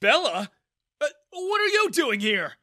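A storybook narrator voicing an arrogant middle-aged male bank manager who sneers and shouts, pitched far above the narration. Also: sing-song, unhurried, dry recording, studio quality, heavily acted. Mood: furious.

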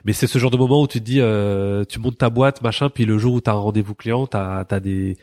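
A man from the Paris area in France, co-founder of a creative agency, chats casually in an interview, hesitating often with fillers and restarts. His voice is lowish, dark, and steady in tone, a little fast, recorded with no echo.

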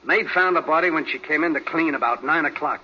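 An American actor playing a gruff, blunt, slangy police sergeant in a 1940s radio crime drama. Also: male voice, fairly high pitch, fairly quick. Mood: matter-of-fact. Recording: dull 1940s radio recording.

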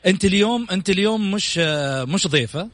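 A man's voice: high voice, expressive, quick pace, a bit bright, dry recording. A man with a Saudi Arabic accent hosting a radio interview, effusive and flowery, stretching words for effect. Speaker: radio show host.

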